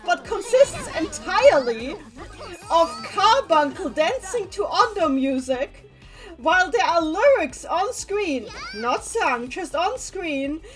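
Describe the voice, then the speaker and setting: A woman streaming a video game, chatting casually and reacting out loud to the characters on screen. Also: high voice. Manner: animated, talks back to game characters, exclaims. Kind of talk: casual let's-play commentary.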